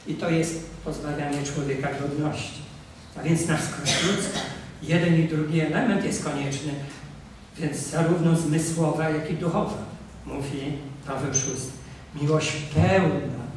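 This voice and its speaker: An older man, a priest, gives a lecture on marriage at a conference table, with emphatic appeals and quiet asides. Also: fairly high pitch. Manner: emphatic, exhorting, swings between loud appeals and quiet asides. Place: conference room, seated at a table. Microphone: table mic, camera from across the room. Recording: very echoey room, voice from a distance, faint noise.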